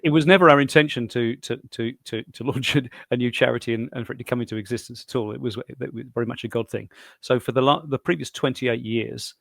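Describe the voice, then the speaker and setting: A man's voice: mid-range voice, quick pace, vocal fry, fairly bright tone, no echo, studio quality. A man in his sixties with a South London accent, answering conversationally in an interview and often repeating words as he explains. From South London, England.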